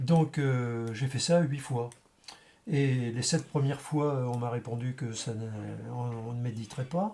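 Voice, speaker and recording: A man speaks at medium pitch and a very slow pace, with ordinary pitch variation. His tone is dark and mellow, and somewhat breathy. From western France (Vendée). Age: 70s. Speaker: author. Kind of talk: interview. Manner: hesitant, many fillers.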